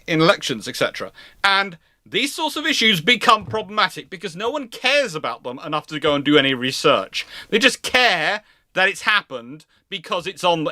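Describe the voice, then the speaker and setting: A man's voice: high voice, sharp tone, dry recording, clean studio sound. A man hosting an informal question-and-answer panel, explaining his points emphatically and repeating himself for stress.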